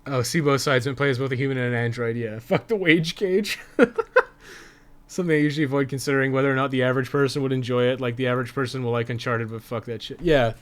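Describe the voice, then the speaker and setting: Talking fast in a mid-range voice, this game streamer chats casually with his viewers. His style is informal and foul-mouthed.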